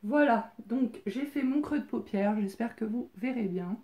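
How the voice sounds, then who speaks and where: A woman giving a casual makeup tutorial as a beauty vlogger, chatty and hesitant, with many filler pauses. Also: fairly high pitch, lo-fi sound. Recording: roomy echo.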